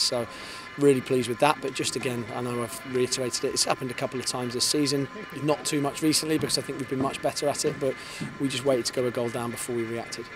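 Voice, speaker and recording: A man in his thirties, a football head coach, giving an earnest post-match interview outdoors on a floodlit pitch into a handheld mic, often repeating words as he starts a sentence. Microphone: handheld reporter's mic held in front. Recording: outdoor stadium noise behind.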